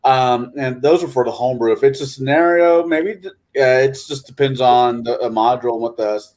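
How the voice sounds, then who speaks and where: Male panelist, medium pitch, informal and halting, chatting about tabletop role-playing. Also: a little mellow. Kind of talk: casual panel discussion of role-playing games.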